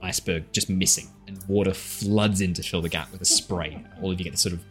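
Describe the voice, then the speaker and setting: A man with a very deep voice narrates a tabletop roleplaying game off the cuff as its game master. He slips between description and casual, self-deprecating chat with players. Faint music plays behind him. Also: fairly even intonation, quick pace, fairly bright tone.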